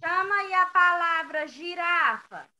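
Very high-voiced, slow-spoken Brazilian teacher. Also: female voice, animated, pushed and bright, poor audio. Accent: Brazilian Portuguese. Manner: slow, drawn-out syllables, patient prompting of pupils. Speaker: primary school teacher. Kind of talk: online class with young children. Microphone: video call. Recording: video call with background noise.

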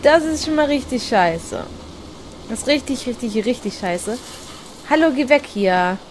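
A woman giving chatty, excitable commentary while playing a horror game, talking to herself and swearing now and then. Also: a little high, a little slow, a little hiss or hum. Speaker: let's play gamer.

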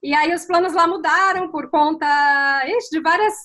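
A woman in her thirties from Brazil, a guest on a video call interview, telling her story slowly with pauses and fillers, heard through a laptop microphone in a small room at home. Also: extremely high pitch, steady tone, pushed and bright. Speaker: guest, former nurse. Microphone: laptop webcam on video call.

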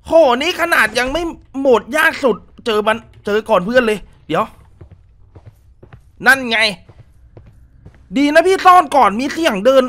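A man hosting a gaming video, giving excitable, jumpy commentary while playing a horror game. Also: extremely high pitch, a little slow, pauses often.

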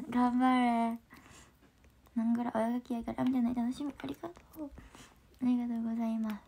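A woman with a Kansai accent chatting casually on a livestream, reading viewer comments, laughing often and slipping into soft whispers. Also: a little high, flat delivery, a little fast, slight background noise. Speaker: idol group trainee hosting a livestream.

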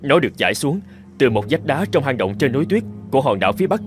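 A brawny tribal chief played by a man, talking fast in a mid-pitched voice. He is earnest and theatrical, in cartoon fairy-tale style, with faint music underneath. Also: sing-song, lightly acted. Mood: feigned weakness. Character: brawny male tribal chief, scheming captive husband. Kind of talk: animated fairy tale dubbing.

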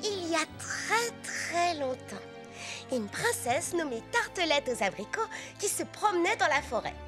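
Gentle young girl storyteller for a cartoon, soft, lilting and dramatic, music underneath. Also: extremely high pitch, big pitch swings, unhurried, heavily acted. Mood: hushed, wondrous. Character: gentle young girl storyteller reading fairy tales to little ones. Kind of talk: storybook narration in a children's cartoon.

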